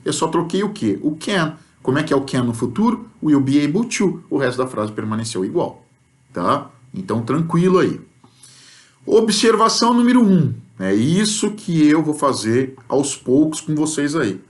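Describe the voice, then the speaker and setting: In a recorded remote class, a Brazilian man teaches English in Portuguese, explaining things step by step and frequently checking in with "tá?". His delivery is lively, with example sentences acted out, and his voice is medium in pitch.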